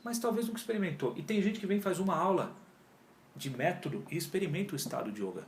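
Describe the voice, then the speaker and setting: A Brazilian yoga teacher in his 40s speaks in a high voice at a quick pace, with slight background noise. As a guest in a casual interview, he tells his story with animation, acting out his own past dialogue and leaning heavily on slang. The echoey room carries a faint ambience.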